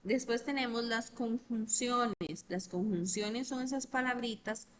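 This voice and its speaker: A woman's voice: on the high side, a little slow. A woman, patiently explaining English grammar in an online tutoring lesson over a computer mic, often checking in with "¿verdad?".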